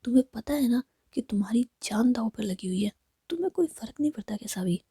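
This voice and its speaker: A woman's voice: a little high, expressive, fast talker, warm tone, slightly rough, no echo, studio quality, full character voice. A woman whispering the lines of a pushy young male friend on the phone, prodding and dismissive.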